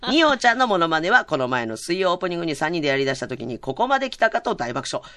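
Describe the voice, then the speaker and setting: Lively, quick Kansai radio hostess. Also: female voice, lowish voice, no echo. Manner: laughs often, teasing banter. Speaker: radio host. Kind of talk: casual radio studio chat. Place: radio studio.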